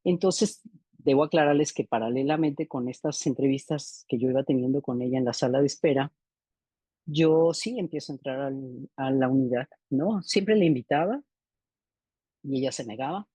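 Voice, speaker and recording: In a seminar lecture, a middle-aged woman narrates a clinical case in a bass voice that is mellow and a bit breathy, at a normal speed and with no echo. She is reflective and keeps tagging her sentences with "¿no?".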